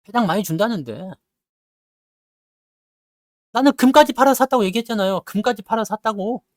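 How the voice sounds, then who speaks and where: Blunt Korean stock commentator, lively pitch. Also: male voice, no echo, studio quality. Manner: blunt, scolding rhetorical questions; acts out investors' grumbling in quick asides. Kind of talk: lively market talk to viewers.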